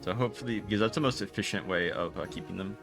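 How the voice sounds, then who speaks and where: A man's voice: lowish voice, fast talker. A man giving casual video game commentary, fumbling for words as he trails off and restarts his sentences. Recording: music playing behind the voice. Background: game music.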